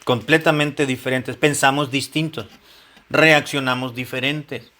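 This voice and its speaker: Male pastor, bright forceful tone, chatty sermon delivery with questions to the room. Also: mid-range voice, steady tone, unhurried. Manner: conversational preaching with questions to the congregation and frequent repetitions. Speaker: pastor teaching a Bible study. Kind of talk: sermon-style Bible teaching to married couples.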